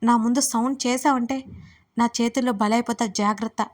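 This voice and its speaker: A woman's voice: fairly high pitch, fairly even intonation, normal speed, natural voice. A woman voicing a possessive, domineering young man in an audiobook story, speaking in a smug, threatening way. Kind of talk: audiobook dialogue reading.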